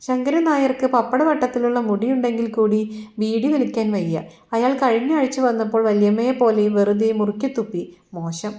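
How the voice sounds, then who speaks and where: A woman narrating a literary audio story in a gentle, measured way. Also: fairly high pitch.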